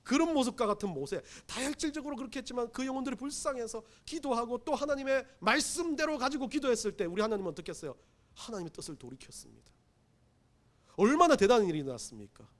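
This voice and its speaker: A man's voice: very high-pitched, animated, fast, fairly bright tone. A man preaching a sermon as pastor, emphatic, acting out pleading quotes, with self-deprecating asides. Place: church sanctuary.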